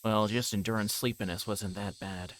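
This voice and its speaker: A man's voice: lowish voice, steady tone, moderate pace, fairly bright tone, slight background noise. A man reading a visual novel aloud on a livestream, narrating in first person and occasionally stumbling over words. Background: game music.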